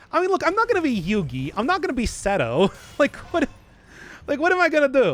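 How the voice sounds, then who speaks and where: A man speaks very fast with a Chicago accent and an extremely high pitch. His tone is animated, with very wide pitch swings. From US Midwest, Chicago. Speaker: video game streamer. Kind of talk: casual chat.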